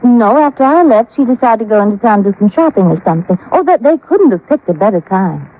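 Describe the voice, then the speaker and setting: A woman's voice: fairly high pitch, lively intonation, fast. An actress playing a genteel, evasive young woman from an old family in 1950s radio drama style, hesitant and confiding. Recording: dull lo-fi old radio recording.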